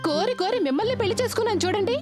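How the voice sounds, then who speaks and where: Very high, fast sharp-tongued wife. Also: female voice, expressive, music in the background. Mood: scolding. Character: sharp-tongued quarrelsome wife, nagging and jealous. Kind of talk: dubbed film acting.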